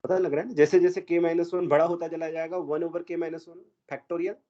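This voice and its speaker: This is a man giving a math lecture in a classroom, and he keeps quizzing his students as he works through exam options. His voice is dark and mellow. The recording sounds dull and lo-fi. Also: fairly high pitch, flat delivery, normal speed. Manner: mixes Hindi with English math terms, quizzes students. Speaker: math teacher.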